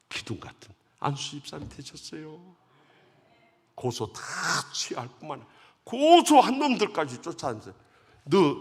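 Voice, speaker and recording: Man, revival preacher, middle-aged, dramatic storytelling, hugely varied pitch, husky, long church reverb. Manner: dramatic, swings from hushed to loud. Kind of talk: emotional revival sermon storytelling. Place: large church sanctuary.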